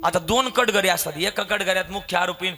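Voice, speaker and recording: A man's voice: high voice, brisk, over loud music. A man preaching a kirtan with a Marathi accent, telling a devotional story dramatically, acting out the characters and breaking into sung verses. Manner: dramatic, acts out voices of characters, breaks into song.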